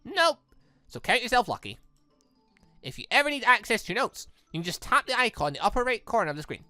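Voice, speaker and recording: A man's voice: very high voice, big pitch swings, quick pace, pushed and bright, no echo, soft background music, voice pushed up, full character voice. A man voicing a playful, cheeky young female student tour guide in a visual novel. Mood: casual, helpful. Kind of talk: visual novel dialogue read aloud.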